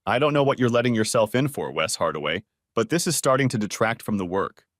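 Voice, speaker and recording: A stern female supervisor scolds in a curt, sarcastic way, voiced by a male narrator. Her pitch moves a lot. The sound is dry and close. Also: big pitch swings, fast talker, no room sound.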